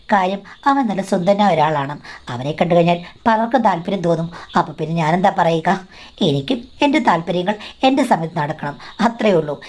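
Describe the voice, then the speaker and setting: A woman's voice: medium pitch, a little mellow. A woman narrating a scripted first-person story in a confiding way, addressing the listener as madam.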